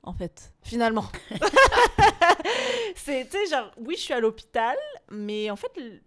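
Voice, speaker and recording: A woman's voice: high-pitched, big pitch swings, slow pace, fairly bright tone. A young adult woman, a podcast guest, telling a personal story in casual chat, full of fillers and quoted asides.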